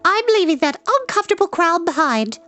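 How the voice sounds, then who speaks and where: Very high, spirited young princess. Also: male voice, very animated, brisk, pushed and bright, no room sound, soft background music, exaggerated voice. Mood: breezy, decided. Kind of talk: animated storybook character voice.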